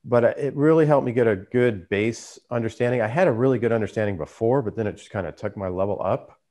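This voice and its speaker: A man's voice: on the low side, fast talker, a little mellow. A man who hosts a trading channel, telling his story in a casual, conversational way. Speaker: trader and YouTube channel host.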